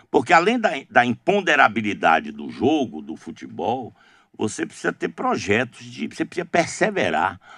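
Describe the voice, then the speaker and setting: Against a quiet background, a man speaks at a moderate pace with big swings in loudness and a dry sound with no echo. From Bahia, Brazil. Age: 60s. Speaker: former football club president; radio interview guest. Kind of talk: radio interview. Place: studio. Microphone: studio mic.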